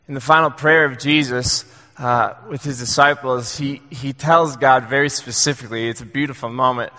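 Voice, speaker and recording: A young adult man preaching a sermon in a church, earnest and halting, with many fillers and restarts. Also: mid-range voice, pushed and bright. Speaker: pastor. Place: church sanctuary. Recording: long hall reverb.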